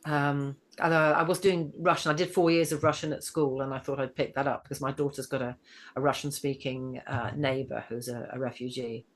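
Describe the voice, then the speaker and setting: British woman with a deep-ish low voice, chatting in an interview, keeps correcting herself. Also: little pitch movement, fairly quick. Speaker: guest storyteller. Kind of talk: casual interview chat.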